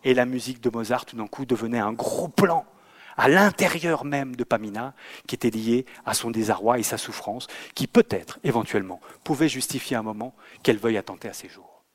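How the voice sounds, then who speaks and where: A man's voice: mid-range voice, a little fast. A man, a theatre director, giving a lecture full of anecdotes. He acts out the scenes he describes, stumbling often over fillers and repeated words. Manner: lively storyteller who acts out scenes.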